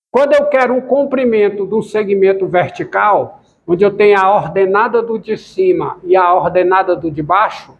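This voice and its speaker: High-voiced man teaching calculus. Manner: repeats questions to the class, talks while writing. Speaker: math lecturer. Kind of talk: calculus lecture at a board.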